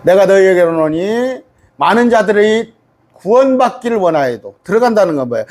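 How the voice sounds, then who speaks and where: A middle-aged man, a pastor, giving a conversational bible study sermon, asking his listeners rhetorical questions and reading scripture aloud slowly. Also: high voice, lively intonation, a little mellow. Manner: reads scripture aloud slowly, sometimes singing it.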